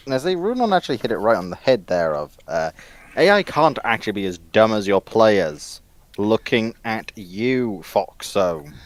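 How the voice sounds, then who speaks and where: A man's voice: fairly low pitch, animated, normal speed, no echo. A man chatting casually as a livestream panellist, with a teasing way of talking.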